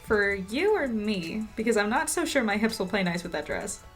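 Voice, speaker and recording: A woman's voice: medium pitch, sing-song, normal speed, faint music behind, lightly acted. A woman playing a wry, troubled young reporter in an audio drama, speaking with dry, understated sarcasm. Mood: wry, probing. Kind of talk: audio drama acting, diary-like monologue and dialogue.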